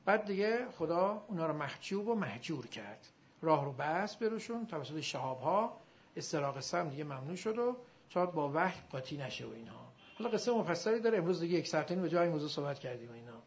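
A male teacher giving a classroom grammar lesson, drilling his students and drawing out example words slowly. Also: fairly high pitch, big pitch swings, slight background noise. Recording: dull lo-fi recording.

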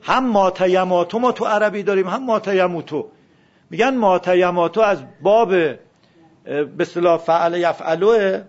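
A male teacher with a high voice leads a grammar class in a classroom, quizzing his students and reciting word forms one after another. The recording is dull and lo-fi. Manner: questioning, drills word forms aloud. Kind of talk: classroom lesson on Arabic grammar.

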